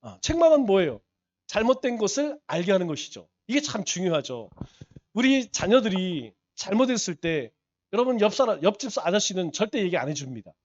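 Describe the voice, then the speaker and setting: Lively high-voiced pastor teaching scripture. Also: male voice, fairly quick, muffled recording. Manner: asks the congregation rhetorical questions; emphatic, repeats points for stress. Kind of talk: Bible study teaching.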